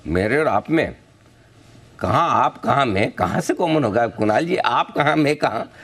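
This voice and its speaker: A man's voice: mid-range voice, expressive, unhurried, a bit bright, a little hiss or hum. A man hosting a live business TV show, joking with guests and laughing often. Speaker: host.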